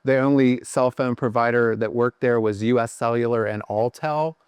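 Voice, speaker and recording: A man's voice: medium pitch, steady tone, normal speed, smooth, no echo. A man guesting on a podcast, telling rambling, self-deprecating stories about his career with lots of fillers. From Ohio. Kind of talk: casual podcast chat.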